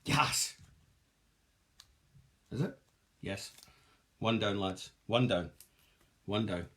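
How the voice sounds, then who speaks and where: A man's voice: on the low side, takes it slowly. A young Glaswegian man hosting a live-streamed jewellery workshop, demonstrating and joking with viewers in a chatty, self-mocking way. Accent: Glaswegian Scottish.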